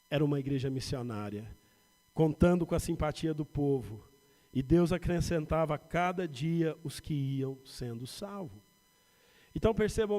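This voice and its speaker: A man with a São Paulo Brazilian accent preaches from the pulpit. His voice sits fairly high, rising on emphatic lists and sinking into quiet personal asides. The sound carries a long reverb from the church hall. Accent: Brazilian Portuguese, São Paulo. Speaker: pastor. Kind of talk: sermon. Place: church sanctuary.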